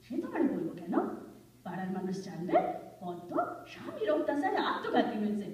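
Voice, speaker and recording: A woman's voice: medium pitch, wildly swooping pitch, brisk, darkish tone. A woman acting a pouting, wheedling Bengali village wife who craves gold jewellery, in an audio drama. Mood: quarrelsome, threatening. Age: middle-aged. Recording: muffled, echoey hall, distant microphone.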